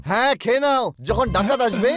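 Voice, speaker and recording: Wary cartoon grumbler: unusually high male voice, prominent music behind. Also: a little fast. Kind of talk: cartoon voice acting. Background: loud cartoon music.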